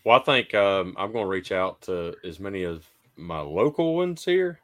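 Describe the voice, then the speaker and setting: A man's voice: low voice, lively intonation, normal speed. A man with an American accent hosting a casual podcast chat. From United States. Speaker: podcast host.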